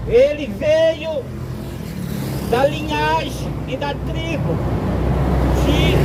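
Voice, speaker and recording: A Brazilian man preaching a sermon outdoors, speaking in slow, deliberate, drawn-out phrases. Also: very high voice. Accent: Brazilian Portuguese. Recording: outdoor street noise with traffic.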